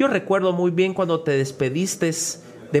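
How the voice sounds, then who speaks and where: A man with a Guatemalan accent at a fairly slow pace, ordinary pitch variation, and noticeable background noise. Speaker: podcast host and town mayor. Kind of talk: interview.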